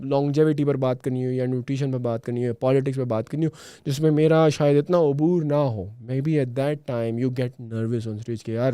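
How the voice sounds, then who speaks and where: A man's voice: medium pitch, dark tone, smooth, dry recording. A man from Pakistan with a Pakistani accent, hosting a podcast in a chatty, easygoing way, slipping English phrases into his talk. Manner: chatty, laughs easily, mixes English phrases into Urdu. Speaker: podcast host. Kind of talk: casual podcast conversation.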